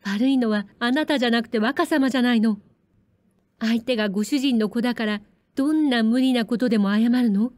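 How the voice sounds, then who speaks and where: Storybook girl, spirited and indignant, high pleading voice, mellow tone, as a woman reader puts her on. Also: fairly even intonation, measured pace, no echo, close to an everyday voice.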